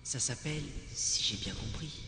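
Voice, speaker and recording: A man's voice: mid-range voice, lively intonation, natural voice. Man acting a calculating schoolboy wizard, echoey. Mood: probing, careful. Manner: courteous, measured, insinuating. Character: polite, calculating teenage male wizard pupil with hidden dark intent. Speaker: student in a dubbed fantasy film. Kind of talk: dramatic film dubbing. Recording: echoey hall, clear film music behind.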